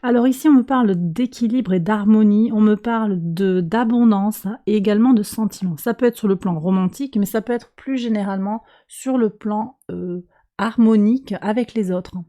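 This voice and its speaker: A woman hosting a weekly tarot and astrology reading, speaking calmly with many pauses and fillers while she has a cold. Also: mid-range voice. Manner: calm, slow, hesitant with many fillers. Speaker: tarot and astrology reader, channel host. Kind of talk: weekly card reading for viewers.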